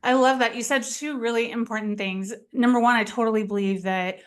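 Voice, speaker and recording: A woman's voice: a little high, fairly even intonation, a little fast. A woman hosting an interview show, upbeat and chatty, asking questions with enthusiasm. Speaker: podcast host.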